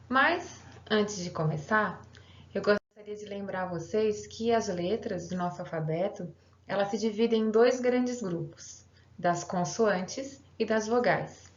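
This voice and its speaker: A woman teacher giving a recorded online grammar lesson, explaining patiently step by step and checking in with her students. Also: mid-range voice. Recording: roomy, slightly dull home recording.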